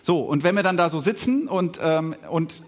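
A middle-aged man who grew up speaking Swiss German, giving a podcast sermon as a pastor. His voice sits a little high for a man and rises and falls a great deal. He talks reflectively, pausing often and filling gaps with soft hesitation sounds. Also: animated. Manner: reflective, with pauses and filler sounds.

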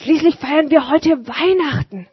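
A woman voicing a kindly, excitable old male shoemaker in a storybook reading, speaking eagerly with a raised voice. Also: high voice, a little slow, no room sound, pitched above the performer's own voice. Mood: friendly. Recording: dull lo-fi recording.

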